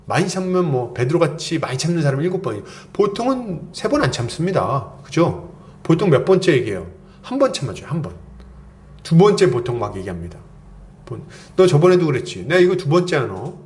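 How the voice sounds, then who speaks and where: Male pastor, fairly high voice with wide, lively pitch swings, casual preaching. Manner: conversational preaching, acts out quoted lines, chuckles often. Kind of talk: sermon.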